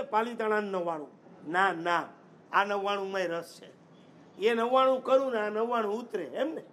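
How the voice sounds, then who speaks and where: Delivering a sermon, a man with a high-pitched, fairly bright voice narrates stories with emphasis. He keeps testing his audience through rhetorical questions.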